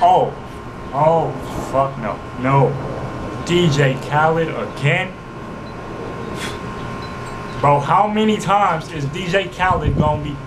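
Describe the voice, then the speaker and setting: A man's voice: a little high, slow pace, long pauses, background noise. A young man casually talking to the camera as a music reaction vlogger, rambling and laid-back with lots of fillers, in a small room. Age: young adult. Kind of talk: casual slangy monologue to camera.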